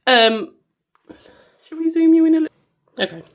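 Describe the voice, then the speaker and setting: Female, Black Country accent, highish voice, stuffy with a cold and nasal; informal, chatty product walkthrough. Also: animated, moderate pace, highs cut off, a little hiss or hum. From Black Country, England. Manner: informal, self-deprecating, given to singing bits. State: bunged up with a cold. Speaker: small-business content creator showing her products.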